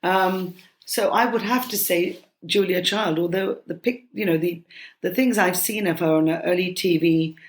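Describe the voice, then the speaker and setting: A British-raised cookbook author in her sixties talks from home over a remote call in a relaxed conversational interview. Her lowish voice moves at normal speed, hesitant with many ums and restarts.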